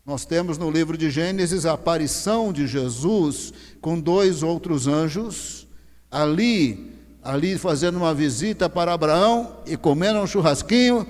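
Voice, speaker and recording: A male pastor preaching a sermon, swinging from low, slow emphasis to loud, rising exhortation. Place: large church hall. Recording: long church reverb.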